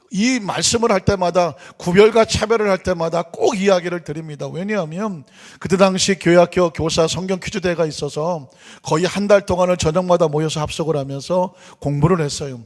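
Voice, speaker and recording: A man pastor preaching a sermon in a church, putting rhetorical questions to the congregation and answering them himself. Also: sits high. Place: church sanctuary. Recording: long church hall reverb.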